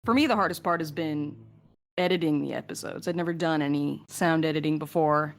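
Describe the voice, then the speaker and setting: A woman's voice: deep voice, brisk. A woman hosting a casual question-and-answer chat with her podcast crew. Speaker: podcast host, producer and voice actor.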